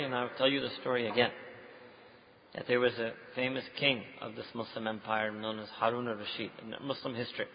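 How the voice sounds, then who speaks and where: A man with a South Asian accent preaching to a live audience as an animated storyteller, often checking in with listeners. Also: a little high, gravelly. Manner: animated storyteller, switching languages, with rhetorical check-ins. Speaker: Muslim preacher. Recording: echoey hall, dull muffled sound.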